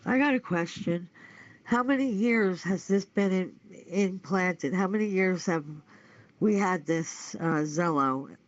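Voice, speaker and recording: A woman's voice: fairly low pitch, takes it slowly, no echo. A woman calling in to a voice-chat show with casual remarks and questions, over muffled lo-fi audio.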